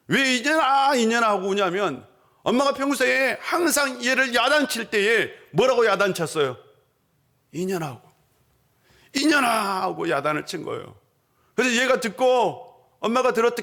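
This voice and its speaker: A male pastor preaches a Sunday sermon in a church sanctuary, posing questions to the congregation and answering them himself. His fairly bright voice has vocal fry, and he acts out quoted voices in a higher pitch.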